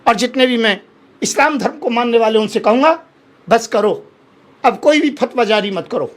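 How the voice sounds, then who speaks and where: A man's voice: very high voice, normal speed. A man, a Hindu holy man appearing as a guest in a heated television debate, who speaks in an impassioned, pleading way and keeps repeating himself.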